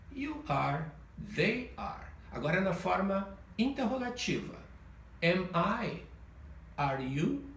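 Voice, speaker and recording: Man, language teacher, high voice, patient step-by-step explanation, roomy echo. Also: fairly bright tone, far from the mic. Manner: slow, deliberate model sentences between explanations. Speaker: English teacher. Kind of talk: video lesson explaining grammar.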